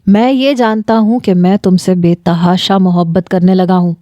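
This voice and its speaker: A woman's voice: fairly low pitch, fairly even intonation, mellow, no room sound, natural voice. A woman voicing an obsessive, volatile young man in a story read aloud, pleading in agitated outbursts. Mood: intense.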